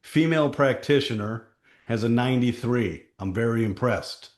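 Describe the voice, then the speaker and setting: A man with a deep voice hosting a town hall as a company chief, telling stories with emphatic, punchy short phrases. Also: normal speed. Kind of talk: conversational town-hall talk with anecdotes.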